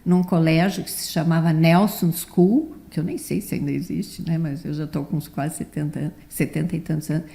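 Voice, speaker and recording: A woman's voice: low voice, fairly even intonation, a little fast, creaky, hardly any pauses, warm tone. A woman in her seventies, a theatre director, telling stories from her childhood in a chatty, rambling way. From Brazil, born in Rio de Janeiro, raised in the south. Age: 70s. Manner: chatty, rambling, frequent "né" tags. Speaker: theatre director, interview guest. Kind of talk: relaxed storytelling in an interview.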